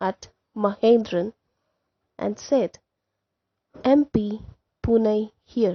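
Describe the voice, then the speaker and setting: A fairly high-pitched woman with a Tamil Indian accent and ordinary pitch variation. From India, Chennai, Tamil Nadu. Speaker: school English teacher. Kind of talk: lesson, reading aloud and explaining a story.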